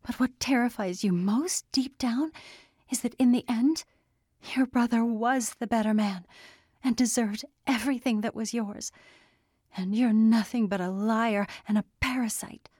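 Woman reading a young heroine, defiant, raised strained voice, higher and louder than the narration, dry close mic. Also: unhurried, slightly rough, no echo.

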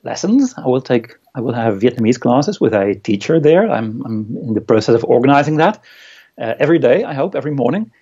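A man's voice: medium pitch, big pitch swings, a little fast, mellow, breathy edge. Hesitant man on a dull recording. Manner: hesitant, many uh fillers, careful phrasing. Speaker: interview guest. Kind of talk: casual interview chat.

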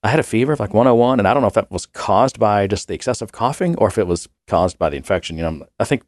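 A man's voice: fairly low pitch, expressive, fast talker, no room sound, clean studio sound. A man co-hosting a podcast in casual chat, rambling and laughing often while he has a cold and cough. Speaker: podcast co-host.

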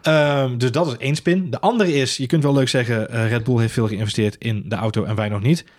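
A man co-hosting a casual racing podcast, talking quickly with many fillers and dry jokes. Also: mid-range voice, fairly even intonation, dry recording. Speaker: podcast co-host. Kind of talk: casual Formula 1 chat.

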